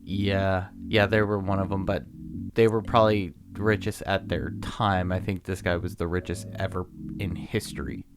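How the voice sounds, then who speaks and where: A young man with a low voice, co-hosting a casual podcast. He tells the story loosely, reading from his notes, stumbling and laughing over hard names. Faint music plays underneath. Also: level tone, normal speed. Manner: reads facts aloud with stumbles, laughs at his own pronunciations. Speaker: podcast co-host.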